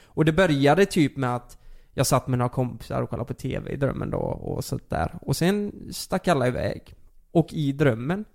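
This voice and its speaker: A young man talks in a relaxed, chatty way. His story wanders, full of fillers and restarts. His mid-range voice has a gravelly edge. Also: mid-range voice. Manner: rambling, many fillers and restarts. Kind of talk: casual storytelling.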